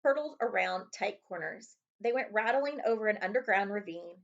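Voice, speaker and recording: A woman's voice: medium pitch, expressive, moderate pace, highs cut off. A woman librarian narrating a children's chapter book as a read-aloud.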